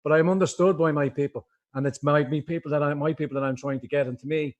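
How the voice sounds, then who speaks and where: A man's voice: a little high, steady tone, fast, a little mellow. Impassioned Dublin man, rambling. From Ireland. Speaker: guest. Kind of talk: livestream interview.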